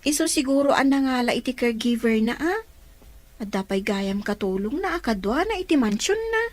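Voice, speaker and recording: A woman's voice: on the high side, expressive, a little fast, no echo. A Filipino woman playing a chatty aunt in a radio drama, explaining things matter-of-factly. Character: chatty, matter-of-fact aunt answering a child. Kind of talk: Ilocano radio drama acting.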